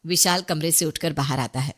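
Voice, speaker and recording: A woman's voice: sits low, a little fast, fairly bright tone. A woman narrating a cartoon story in a plain storytelling manner.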